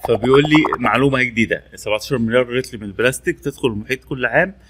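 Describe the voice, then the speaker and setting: A man's voice: mid-range voice, rapid-fire, a bit bright, a little hiss or hum. A man with an Egyptian Arabic accent presents a casual tech tutorial, repeating labels as he demonstrates a training tool. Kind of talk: casual screen-recorded tutorial.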